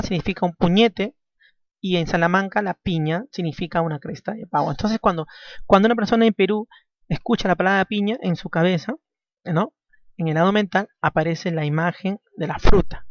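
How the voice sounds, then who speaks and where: A man's voice: high voice, no room sound. A man teaching a language class, repeating key points and ending nearly every phrase with a questioning tag. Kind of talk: classroom lecture. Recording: dull dry lo-fi recording.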